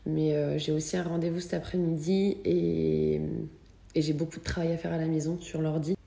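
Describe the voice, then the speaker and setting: This cleaning vlogger, a woman in her thirties, has a low, dark, slightly rough voice that's creaky and flat, moving at a moderate pace. She chats casually, pushes herself on and explains each chore step by step in a large modern home, recorded in an echoey room with faint background music.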